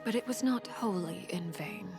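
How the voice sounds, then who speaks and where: A woman voicing a stern, cold female leader of an orphanage who gives calm, measured, hushed commands. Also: fairly low pitch, natural voice. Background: game music score.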